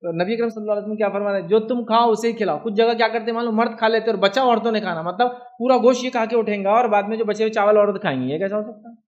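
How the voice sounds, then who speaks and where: A man's voice: high voice, racing, few pauses, highs cut off. A man with an Indian accent giving an Islamic lecture, talking in a chatty way and often asking his listeners whether they understand. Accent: Indian Hindi-Urdu. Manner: conversational, keeps asking "do you understand?". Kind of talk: religious lecture.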